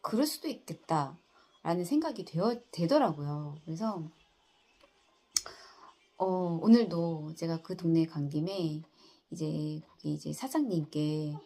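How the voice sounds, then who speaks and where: A middle-aged woman who works in insurance, telling a personal story in a soft, earnest and halting way, with many fillers. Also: low-pitched, lively intonation. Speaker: insurance agent.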